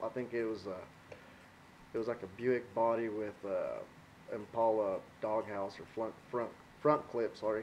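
A man with a West Texas accent speaks at a moderate pace and medium pitch, with long, frequent pauses. His intonation is monotone and flat over light background noise. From Texas Panhandle. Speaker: demolition derby driver and mechanic. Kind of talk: casual interview. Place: home room.

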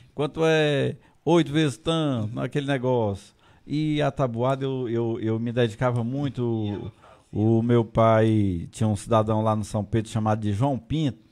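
The man's pitch shifts in a typical way. He speaks rather slowly. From Ceará, Brazil (Itapajé hills); Ceará, Brazil. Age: 50s. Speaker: municipal agriculture secretary; interview guest. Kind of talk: interview. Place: studio. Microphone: studio mic.

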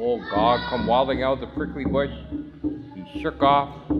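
A man speaking at a very slow pace over clear music in the background. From Canada. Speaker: storyteller and author. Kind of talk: storytelling to a live audience. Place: hall. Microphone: camera far.

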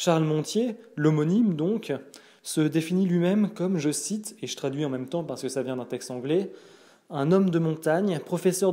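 A man with fairly high pitch and a dark, mellow tone speaks at a moderate pace, his pitch varying in an ordinary way. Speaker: amateur lecturer. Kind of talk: pre-recorded audio lecture.

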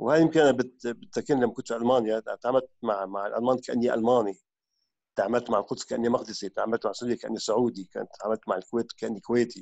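Very fast speech from a man with a Levantine accent, fairly even in intonation, in a dry sound with no echo and a quiet background. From Jordan. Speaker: architect; guest or host in an online talk. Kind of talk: panel discussion. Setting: video call. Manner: halting. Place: home room. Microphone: webcam.

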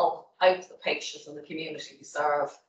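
Against a quiet background with audible room echo, a woman speaks at a moderate pace. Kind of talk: formal meeting tribute speech. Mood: warm, lightly humorous. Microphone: video call.

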